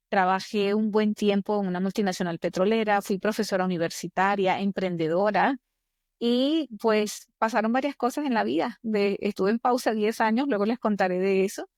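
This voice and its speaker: A woman's voice: medium pitch, a little mellow, dry recording, clean studio sound. A woman in her fifties from Venezuela, with a Venezuelan accent, telling personal stories expressively as an interview guest. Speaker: podcast guest, executive coach. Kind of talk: conversational interview, personal storytelling.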